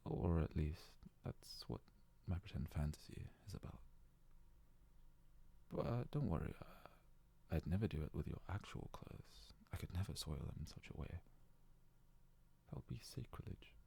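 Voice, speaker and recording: A man playing a devoted, self-abasing young yandere fox-boy servant in an ASMR roleplay, worshipful and hesitant, often slipping into breathy whispers. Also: sits low, expressive, a little slow, dark tone, exaggerated voice. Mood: sheepish confession. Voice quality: husky, gravelly, breathy, often dropping to a whisper.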